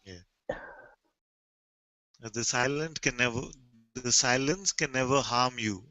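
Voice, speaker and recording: Bright-toned man with an Indian accent. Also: mid-range voice, slow, no room sound. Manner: short, plain teaching statements. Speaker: spiritual teacher. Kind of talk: calm spiritual dialogue. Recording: dull, lo-fi and dry.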